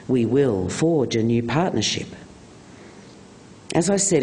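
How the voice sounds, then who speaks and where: A man reading a political speech aloud in a measured, deliberate oratorical manner, with emphatic repeated phrasing. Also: on the high side, a little mellow, a little hiss or hum. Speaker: reader of a famous political speech on stage.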